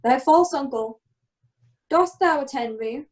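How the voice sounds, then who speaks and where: A solemn, commanding exiled wizard duke and protective father, played by a woman with a high voice. The delivery is measured Shakespearean storytelling for an amateur radio play. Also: animated, a little mellow. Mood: grave, insistent.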